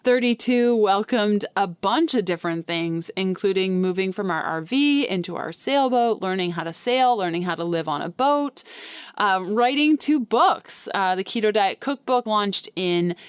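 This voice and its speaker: A woman's voice: mid-range voice, expressive, moderate pace, clear, resonant tone, no echo. Woman, 30s, hosts her own podcast; candid, chatty delivery, resonant and dry. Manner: chatty and candid, with filler words. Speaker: podcast host. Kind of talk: casual solo podcast monologue.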